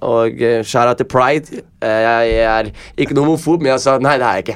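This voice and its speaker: Recorded very cleanly against a silent background, a man with a plain, everyday voice speaks at medium pitch with ordinary pitch variation. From Norway, Somali family. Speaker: podcast guest. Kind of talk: casual chat.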